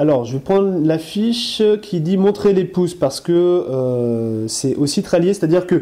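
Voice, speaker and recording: A man is speaking. His pitch is high. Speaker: body language coach. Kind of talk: tutorial. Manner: fast; hesitant, many fillers.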